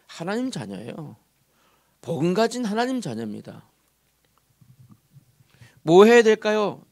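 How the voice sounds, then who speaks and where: A male pastor delivers a sermon in a church sanctuary. His voice sits high and moves all over the place with lively, sweeping inflection. He keeps turning questions to the congregation as he preaches. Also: creaky. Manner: animated, asking the congregation questions.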